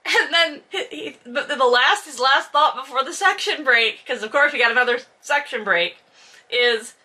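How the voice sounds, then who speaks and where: A woman's voice: high-pitched, moderate pace, bright, forceful tone. A woman giving casual, comedic book commentary in an exasperated, sarcastic, sweary manner full of exaggeration. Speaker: host reading and critiquing a novel.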